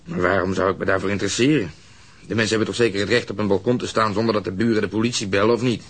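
Gruff male detective, low-pitched, irritable, blunt, defensive, radio drama. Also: rapid-fire. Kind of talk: naturalistic Dutch radio drama acting.

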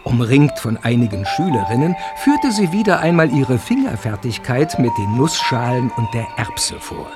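A man narrating a radio play, his voice at a middle pitch but with a lively, swinging melody as he tells the story. Music plays clearly beneath his words. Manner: even storytelling delivery.

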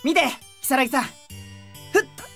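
A woman playing a cheerful, cocky high school boy with a playful, theatrical way of talking, in an anime-style audio drama. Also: normal speed, loud music behind the voice, natural voice. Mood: encouraging.

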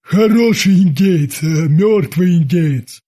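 A man voicing a hot-headed sailor who yells slow, drawn-out threats. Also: high voice, animated, breathy edge, exaggerated voice. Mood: gruff. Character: hot-headed male sailor, shouting and armed.

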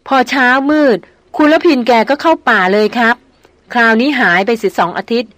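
A woman's voice: fairly high pitch, expressive, normal speed, a bit bright, no room sound. Audiobook: woman reading an old male hunter and servant, gossipy and deferential, dry close sound. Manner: polite, gossipy storytelling with deferential particles.

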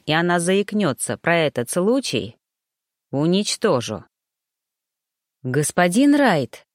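A woman narrating a first-person story aloud, reading a gruff man's thoughts with expression. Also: fairly low pitch, no echo, studio quality. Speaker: audiobook narrator.

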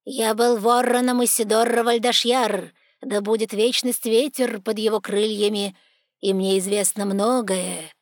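A woman voicing a proud, sardonic male talking raven with a hoarse, croaking voice and a slow, cold, mocking manner. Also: fairly high pitch, flat delivery, no echo, studio quality, lightly acted. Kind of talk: audiobook character voice.

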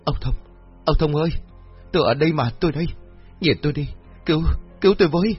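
Guy putting on a high panicky woman pleading for her life, husky voice, dull lo-fi sound with faint music. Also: quick pace. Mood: screaming for help. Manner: frantic, pleading, shrill cries. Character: terrified middle-aged woman begging for mercy.

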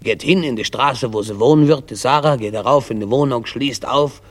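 A man's voice: medium pitch, normal speed. A male comedian telling jokes in a Yiddish-flavoured storytelling style.

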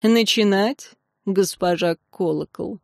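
A woman's voice: mid-range voice, takes it slowly, vocal fry, no room sound, clean studio sound. A woman voicing a cynical male sorcerer who speaks with cool irony and insolence. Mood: ironic. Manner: ironic, insolent, coolly detached.

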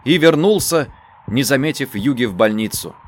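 A man reading a first-person story aloud in a subdued, low-key manner. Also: expressive, moderate pace. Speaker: narrator. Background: faint music.

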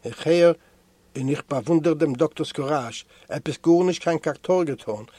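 A man from Eastern Europe reading a first-person memoir aloud in a measured storytelling way. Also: a little high, warm tone, no room sound. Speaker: audiobook reader.

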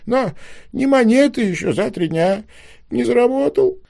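Casting: a man playing a high, whiny old codger mayor, audiobook, lively swings. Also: normal speed, creaky, heavily acted. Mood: weepy. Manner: whiny, pleading, squeaky. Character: tearful old man mayor who cannot count.

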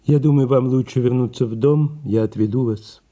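A man's voice: mid-range voice, moderate pace, warm tone, dull audio, close to an everyday voice. A man playing a fussy, pedantic male secretary in an audio drama who keeps lecturing about health. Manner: lecturing, prim and officious.

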